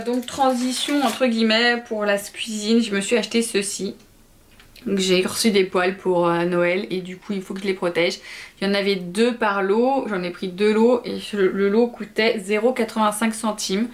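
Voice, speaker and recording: A woman's voice: mid-range voice, a little hiss or hum. A young woman chatting casually in a home video, hesitant, with many fillers. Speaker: vlogger. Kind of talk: casual haul video chat.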